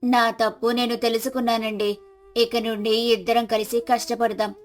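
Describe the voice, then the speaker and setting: A woman's voice: a little high, flat delivery, moderate pace, natural voice. A woman voicing a village wife in a moral story. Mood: earnest. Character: lazy village wife turning earnest and hardworking. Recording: music behind the voice.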